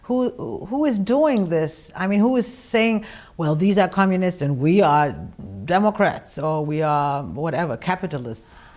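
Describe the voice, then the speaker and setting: A woman's voice: fairly low pitch, expressive, a little slow, a little mellow. Woman asking frank questions. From Germany. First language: German. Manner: inquisitive, frank, emphatic. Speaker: interviewer. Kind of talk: interview conversation.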